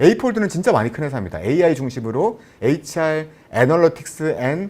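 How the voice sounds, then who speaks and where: This man's voice moves in very wide pitch swings. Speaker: HR research institute head presenting a seminar. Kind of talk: live seminar presentation. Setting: live webinar. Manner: fast.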